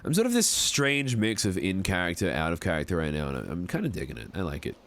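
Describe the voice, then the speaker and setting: Deep voice, lively swooping pitch, man acting out a chatty Southern frontier fellow, folksy drawl, courtly, game livestream. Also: fast talker, heavily acted. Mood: amiable, chatty. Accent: put-on American Southern. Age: 40s. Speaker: game streamer. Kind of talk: casual livestream chat in character.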